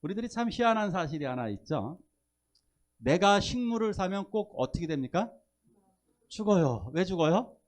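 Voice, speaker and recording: A man's voice: high voice, normal speed, pauses often. A male pastor preaching a Sunday sermon, posing questions to the congregation and joking with them. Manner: lively, asks the congregation questions and jokes with them. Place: church service.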